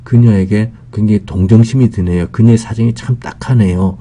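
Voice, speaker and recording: A man gives a patient teaching lecture, voicing his example phrases slowly and carefully. His voice sits low and carries a gravelly fry, with a dark, mellow tone. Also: fairly even intonation. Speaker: English teacher. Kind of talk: explanatory lecture.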